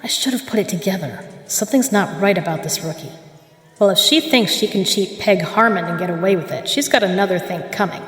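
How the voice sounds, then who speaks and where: A woman's voice: medium pitch, a little fast, breathy edge, no room sound, natural voice. A woman plays a shrewd bar-owning card shark in an audio roleplay. She is a proud, brash woman with a sardonic edge and a mid-range voice. The sound is dry and close. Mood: angry, suspicious. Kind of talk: dramatic audio roleplay acting.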